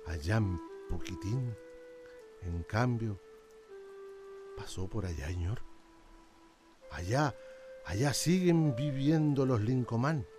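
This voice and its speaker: An actor playing a weary, humble old indigenous islander in a radio drama, speaking in a rustic, halting way with a southern Chilean accent. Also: male voice, mid-range voice, natural voice. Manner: rustic, deferential, halting storytelling.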